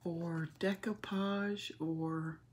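A woman hosting a craft channel, gushing warmly over gifts as she unboxes them, emotional and sometimes dropping to a whisper. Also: on the low side, steady tone, drawn-out words. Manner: gushing and tender, often drops to a whisper. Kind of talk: casual gift unboxing chat.

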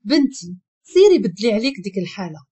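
A woman's voice: medium pitch, very animated, fast, mellow, breathy edge. A woman voicing a fussy mother who scolds her grown daughter, with a Moroccan accent and a chiding, coaxing manner.

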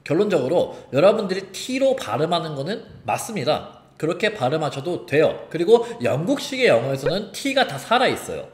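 A man with a somewhat high voice teaching pronunciation online, his pitch swinging widely as he explains and demonstrates each sound. The room around him is echoey. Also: very animated, normal speed, few pauses, a little hiss or hum. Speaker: English teacher. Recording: roomy echo.

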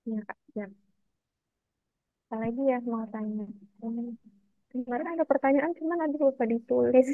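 A woman's voice: fairly high pitch, fairly even intonation, normal speed, pauses often, no echo. Hesitant woman on tinny call audio. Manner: hesitant, polite. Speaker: scholarship applicant. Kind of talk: casual chat. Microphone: video call.

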